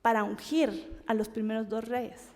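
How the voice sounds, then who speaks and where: A woman teaching a Bible study lesson in an animated way, acting out quoted voices as she goes. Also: fairly high pitch, a little slow, in a large hall. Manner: animated, acts out quoted voices, laughs often.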